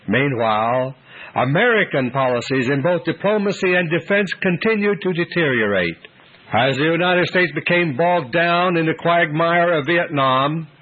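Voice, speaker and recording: A man delivering scripted political commentary to listeners in a measured, deliberate way. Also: a little high, breathy edge. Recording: dull lo-fi audio.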